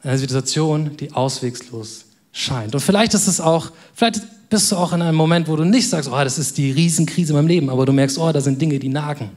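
A man preaching a sermon in a casual, youthful way, dropping to soft, quiet tones for weighty moments. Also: a little high, a little fast. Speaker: pastor.

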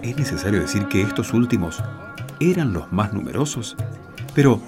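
A man narrating a scripted religious radio play in a measured storytelling manner. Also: lowish voice, big pitch swings. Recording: clear music bed behind the voice.

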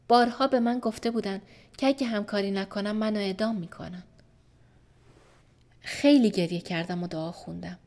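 A woman reading a first-person story aloud in a soft, subdued and reflective manner. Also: mid-range voice. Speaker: audiobook narrator.

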